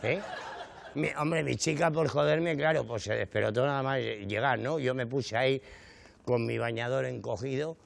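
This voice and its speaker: A middle-aged comedian with a Canary Islands Spanish accent does a stand-up monologue on a studio stage before a live audience. His voice is mid-range and gravelly at a moderate pace, and he tells his stories with indignant exaggeration and frequent rhetorical asides to the crowd.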